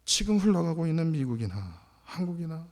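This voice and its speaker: Animated Korean pastor preaching, big reverb. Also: male voice, a little high, brisk. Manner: animated, swings from loud outbursts to hushed near-whispers. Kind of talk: sermon. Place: church sanctuary. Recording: long hall reverb.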